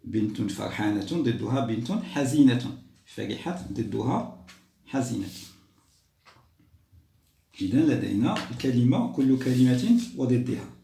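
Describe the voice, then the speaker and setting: Patient teacher, gravelly dark voice. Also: male voice, medium pitch, very animated. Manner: patient, repeats and spells out words slowly for children. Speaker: primary school teacher. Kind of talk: step-by-step grammar lesson. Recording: roomy echo.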